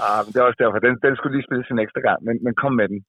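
A man's voice: mid-range voice, fairly even intonation, a bit bright, lo-fi sound. A man co-hosting a casual chat, reacting in an amused way.

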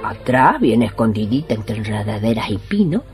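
Actor's folksy old Argentine healer woman, very expressive. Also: mid-range voice, normal speed, gravelly. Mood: reassuring, sly. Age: older. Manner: folksy, familiar, talking to herself and God. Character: doña Erigida, humble old woman folk healer, pious, cheeky. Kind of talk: radio play acting. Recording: music behind the voice.

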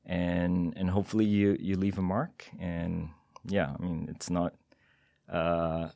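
Deep-voiced man, hesitant. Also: little pitch movement, creaky, mellow, no room sound, clean studio sound. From Singapore. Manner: measured, hesitant with many "uh" and "um" fillers. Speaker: guest, tech executive. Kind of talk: interview answers. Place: podcast studio.

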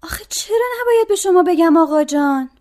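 An actress playing a gentle, tearful young daughter in a radio play. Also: female voice, high voice, natural voice. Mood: tearful, tender. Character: tender young daughter, bride-to-be.

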